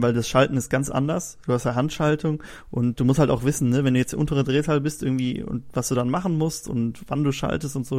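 A man hosting a casual chat, talking quickly and loosely with many fillers. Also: mid-range voice, a little mellow. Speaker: host.

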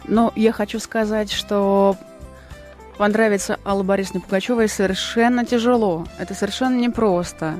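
Relaxed woman guest in a radio studio. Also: mid-range voice, moderate pace. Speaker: singer and TV presenter, guest. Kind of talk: radio interview. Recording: radio studio with faint music behind.

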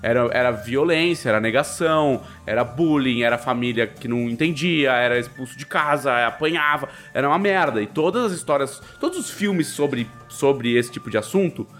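A man's voice: medium pitch, normal speed, few pauses, faint music behind. A man with a Brazilian accent co-hosting a podcast in casual chat, telling stories animatedly and slipping into slang. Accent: Brazilian Portuguese. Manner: animated storytelling, quoting others in raised voice; slangy, frequent fillers. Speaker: podcast co-host.

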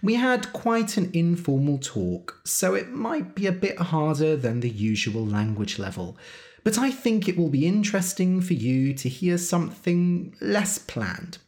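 Lively, careful podcast host for learners. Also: mid-range voice. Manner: spells out web addresses letter by letter; careful and deliberate. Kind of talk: slow, clear podcast talk for English learners.

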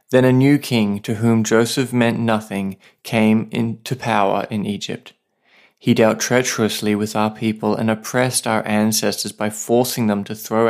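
A man who hosts a Bible podcast, reading a scripture passage aloud in a steady voice and breaking off to explain it in a livelier way. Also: medium pitch.

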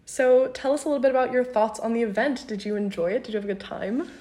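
A woman's voice: on the high side, fast, warm tone. A woman podcast host asks friendly, prompting questions at a conference. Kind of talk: conference interviewer.

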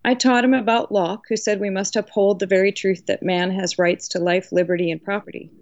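A woman's voice: mid-range voice, steady tone, brisk, no room sound, natural voice. A woman reading the part of an earnest, learned male colonial law professor, didactic and emphatic, from a historical novel. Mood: earnest, instructive. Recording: dull lo-fi audio.

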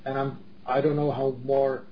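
A man's voice: medium pitch, monotone, moderate pace. Middle-aged man from the Czech Republic, earnest co-host, emphatic with restarts; dull recording with faint hiss. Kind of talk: casual discussion. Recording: dull lo-fi audio with faint noise.

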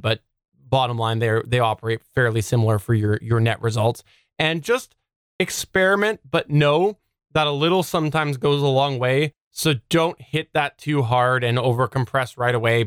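A man's voice: mid-range voice, normal speed, clear, resonant tone, dry recording, studio quality. A man co-hosting a podcast, giving practical, conversational advice about microphones and sound. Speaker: podcast co-host. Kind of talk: casual instructional chat.

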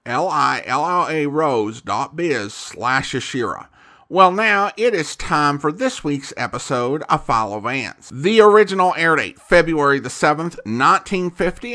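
A man's voice: on the high side, pushed and bright. A man introducing episodes as host of an old-time radio podcast, in a plain, friendly promotional manner.

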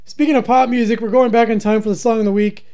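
A man's voice: very high voice, quick pace, smooth. A man co-hosting a podcast and introducing songs. He cracks profane jokes in casual chat while a song plays faintly. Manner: profane, wisecracking, calls himself monotone. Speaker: podcast co-host. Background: song playing faintly.

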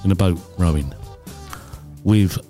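A man hosting a podcast, with a very low, mellow voice. He teases his co-host and tells stories in a blunt, casual way. Faint music plays underneath. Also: a little slow. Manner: teasing, storytelling, blunt. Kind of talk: casual chat.

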